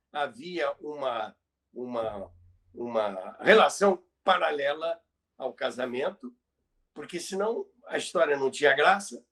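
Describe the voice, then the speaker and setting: A man's voice: a little high, a bit bright. A man with a Brazilian accent telling radio history in conversation, emphatic and repeating phrases for effect. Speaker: guest recounting radio history. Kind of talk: conversational storytelling.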